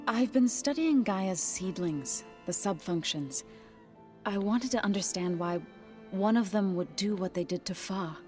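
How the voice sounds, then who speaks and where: A woman playing a gentle, devout tribal healer in a game cutscene, measured and earnest with formal phrasing. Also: medium pitch, lively intonation, lightly acted. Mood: earnest, reflective. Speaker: video game companion character. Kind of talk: naturalistic game cutscene acting. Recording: music behind the voice.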